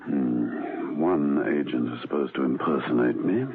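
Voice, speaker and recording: A man playing an unflappable, wry gentleman secret agent in a radio drama, with a dry, understated manner. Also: extremely low pitch, measured pace, soft background music. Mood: musing, calculating. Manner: dry, understated, musing aloud. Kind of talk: 1970s radio drama acting. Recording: muffled, narrow-band old radio recording.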